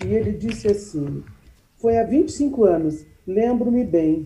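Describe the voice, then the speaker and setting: A woman speaks at a fairly slow pace with lively intonation. Her voice is somewhat breathy. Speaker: researcher and former radio manager. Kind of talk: formal speech at public hearing. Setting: legislative hearing room. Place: home room. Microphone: video call.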